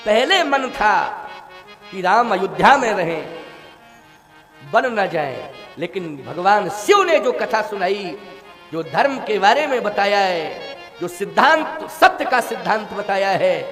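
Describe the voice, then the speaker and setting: A man giving a devotional sermon, asking the listeners rhetorical questions and now and then singing verses slowly. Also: high-pitched, lively intonation, a bit bright. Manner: rhetorical questions to the audience, breaks into slow song. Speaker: preacher of Ramayana katha. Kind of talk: devotional sermon with sung chaupais. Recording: reverberant hall with music. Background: devotional music with tabla.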